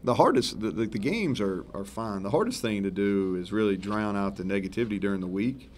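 Sitting before a sponsor backdrop in a press conference room, a football head coach in his thirties gives relaxed, frank answers after the game, rambling and catching himself to correct his words. His lowish voice has a brisk pace, and a slight hiss or hum comes through the several table microphones in front of him.

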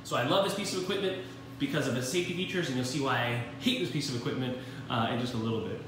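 A university engineering instructor leads an informal walking tour of a materials lab, rambling with lots of fillers and dry, self-deprecating asides. His mid-range voice is rapid-fire and far from the mic, recorded on a handheld phone camera while walking. The room is very echoey, his voice is off-mic, and music plays in the background.

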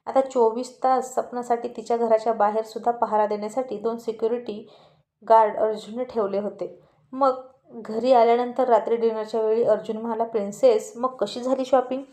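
A woman's voice: on the high side, steady tone, fairly quick, mellow. A woman narrating a serialized romance story, reading expressively and mixing in English phrases.

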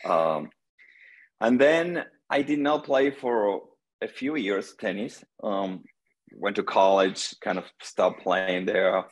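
A middle-aged senior pro pickleball player from Argentina is interviewed casually over video from a small room at home. His fairly low voice is captured by a laptop webcam, and the audio is poor. He tells stories at ease, using his hands, with many pauses and frequent "um"s.

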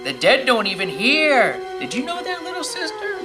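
A man's voice: very high voice, huge pitch swings, normal speed, exaggerated voice. A man acting a sarcastic, taunting older brother in a radio play. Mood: spooky, teasing. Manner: mocking. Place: theatre stage, live reading. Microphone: stand microphone. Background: music.

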